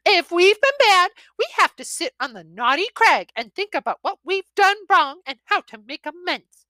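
A woman doing a sulky little girl dragon, high and pert. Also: big pitch swings, normal speed, sharp tone, dry recording, full character voice. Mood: sulky sassy. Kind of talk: storybook read-aloud.

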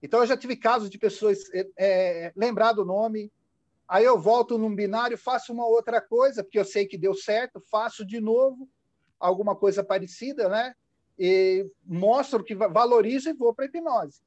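A high-voiced hypnotherapist recounts cases from his practice, acting out the lines he uses with clients. The audio is dull and lo-fi, like a call, and very dry, with no room sound. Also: normal speed, a little mellow, dry recording. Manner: demonstrative, acts out what he says to clients. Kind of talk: sharing practice anecdotes.

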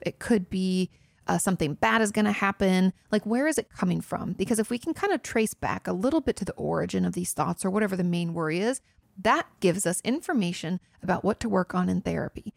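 A woman giving casual, explanatory advice as a therapist host, speaking directly to the listener in a conversational way with animated emphasis. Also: medium pitch, creaky, dry recording, clean studio sound. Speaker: therapist host answering viewer questions. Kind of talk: casual explanatory advice, reading questions aloud.

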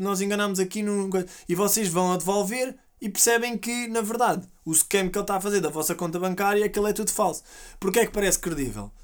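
Slangy European Portuguese podcast host. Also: male voice, sits high. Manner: animated, slangy, acts out quotes. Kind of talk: casual storytelling monologue.

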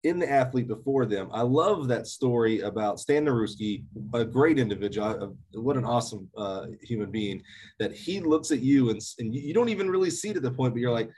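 A man's voice: medium pitch, lively intonation, brisk, a little mellow, husky. A man interviewing a coach, speaking in an easy conversational way.

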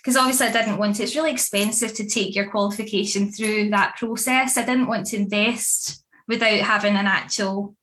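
A woman's voice: mid-range voice, fairly even intonation, brisk, hardly any pauses, a bit bright. Chatty woman, frequent laughs. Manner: chatty, many fillers, laughs often. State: pregnant. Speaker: dog grooming academy founder and author. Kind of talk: casual interview chat.

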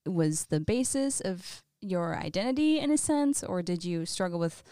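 A woman's voice: lowish voice, expressive, moderate pace, mellow, dry recording, studio quality. A young woman co-hosting a podcast, chatting in a friendly way and laughing often as she asks questions. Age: young adult. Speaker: podcast co-host. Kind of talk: casual conversational podcast.

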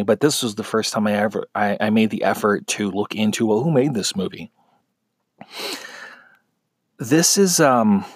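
A man with a fairly low voice talks through a film review in a loose, conversational way, often pausing on fillers and restarting his sentences. The recording is dry, with little room sound around him. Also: no echo. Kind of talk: casual spoken film review.

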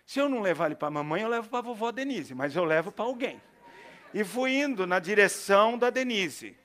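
Man, brazilian portuguese accent, middle-aged pastor, storytelling sermon, high voice, very animated intonation. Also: a little fast. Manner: lively storytelling, swings between loud and hushed.

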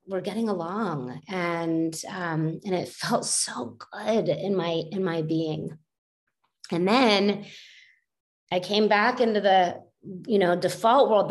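A middle-aged woman telling her own story as a guest on a podcast, in a reflective way, with many fillers and restarts. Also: mid-range voice. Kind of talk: casual storytelling in a podcast interview.

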